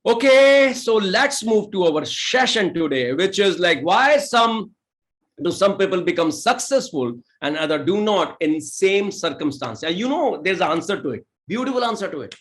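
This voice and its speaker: High-voiced Indian man giving a slow pep talk. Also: fairly bright tone. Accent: Indian English. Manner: mixes slow, deliberate English with rapid Hindi; rallying the audience with questions. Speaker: direct selling leader and motivational speaker. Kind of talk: motivational seminar talk.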